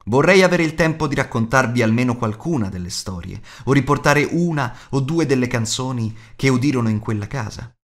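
A man narrates an audiobook at a medium pitch. He reads scripted prose expressively, as a storyteller would. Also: animated, brisk, hardly any pauses.

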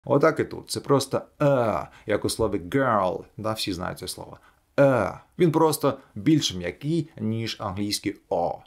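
Low gravelly guy teaching english sounds, demos each one slow and clear. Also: expressive. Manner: demonstrates sounds slowly and clearly. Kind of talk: video lesson.

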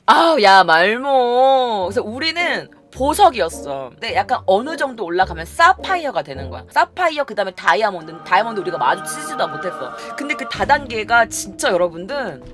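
A woman's voice: medium pitch, brisk, hardly any pauses, over music. A young woman vlogger telling a story in a casual chat style, acting out the people she quotes. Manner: animated, acts out quoted people.

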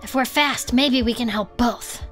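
A woman's voice: on the high side, measured pace, a bit bright, faint music behind. A woman playing a scared but plucky adventurer in an actual-play audio drama, talking casually and earnestly. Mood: hopeful.

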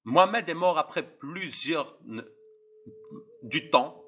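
A man's voice: fairly high pitch, slow, bright, forceful tone, a little hiss or hum. A young man from Algeria giving an impassioned preaching testimony as a Christian convert, repeating himself and speaking straight to the listener. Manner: impassioned, repetitive, addresses listeners directly.

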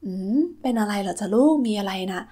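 A woman's voice: medium pitch, fast, warm tone, lightly acted. A woman voicing a caring, reassuring mother in a children's toy story, coaxing and soothing.

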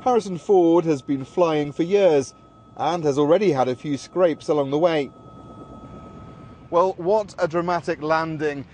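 A man's voice: on the high side, unhurried, a little mellow, a little hiss or hum. A man narrating a scripted television news report as the reporter.

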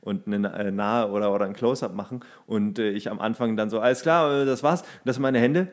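A man's voice: on the low side, brisk. A man in his thirties co-hosting a podcast, casually telling anecdotes and acting out quotes as he goes. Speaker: podcast co-host; actor.

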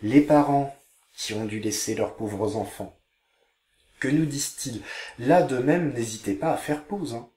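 A man teaching Latin online, reading Latin phrases slowly and carefully before translating them. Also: medium pitch, dark tone, roomy sound. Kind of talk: online language lesson.

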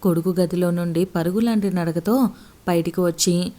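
A woman storyteller reading a scripted story in a steady, expressive way. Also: fairly low pitch, normal speed.

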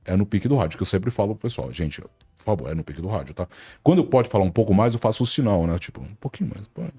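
A man with a Brazilian accent, a TV presenter chatting on a podcast, animated and acting out quotes. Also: fairly low pitch, fast, slightly rough, faint music behind. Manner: animated, acts out quotes of colleagues. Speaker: TV sports presenter as guest. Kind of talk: casual podcast chat.

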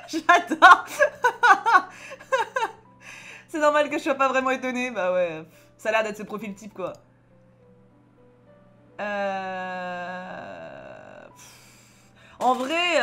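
Playing a story game, a young woman with a French accent and a voice on the high side jokes loudly and reads the dialogue aloud. Her casual commentary is chatty and expressive, bouncing from loud outbursts to quiet mutters.

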